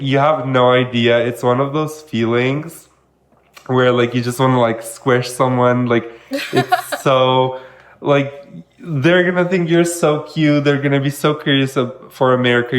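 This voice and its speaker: Young man from Kosovo, mid-pitched, friendly rambling podcast talk. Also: unhurried. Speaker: podcast co-host. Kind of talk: casual chat.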